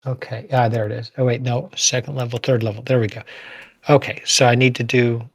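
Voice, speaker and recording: A man's voice: medium pitch, level tone, fairly quick, breathy edge, no room sound. A man playing a tabletop game, talking hesitantly while fumbling through his character sheet. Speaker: player. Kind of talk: casual game talk.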